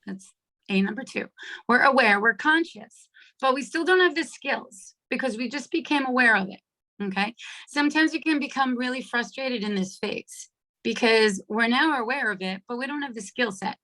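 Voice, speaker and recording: Hoarse, bright-voiced woman coaching. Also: on the high side, moderate pace. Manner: chatty, checks in with "right?" and "okay?". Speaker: workshop leader. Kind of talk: live online coaching talk.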